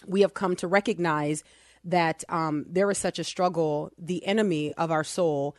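A woman's voice: on the low side, steady tone, normal speed, dry recording, studio quality. A woman in her forties hosting a Christian talk show, earnest and chatty, with frequent restarts and fillers. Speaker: podcast host.

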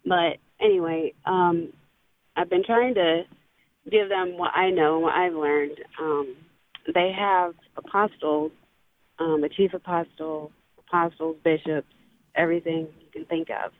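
A woman's voice: lowish voice, fairly even intonation, a little slow, no echo. A woman calling in to a radio show over the phone, asking a question hesitantly with many "um" fillers. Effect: heard over the phone. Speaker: caller. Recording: tinny phone line, dry.

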